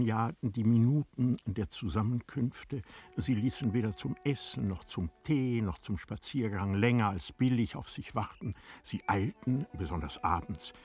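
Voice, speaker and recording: A man narrating a literary radio play in a measured, formal storytelling manner. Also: mid-range voice, a little mellow, slightly rough.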